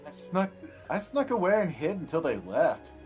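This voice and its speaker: Young female pony, played by a man; high-pitched valley girl, hesitant and ditzy, for cartoon-style audio drama. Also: big pitch swings, moderate pace, over music. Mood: dismayed. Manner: valley girl drawl, hesitant, breaking into giggles.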